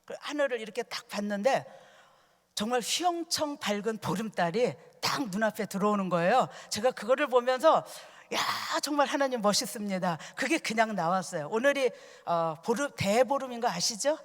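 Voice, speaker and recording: A woman's voice: on the high side, expressive, normal speed. A woman pastor delivering an earnest storytelling sermon in a church, asking the congregation questions as she goes. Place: church sanctuary. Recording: long reverb from a church hall.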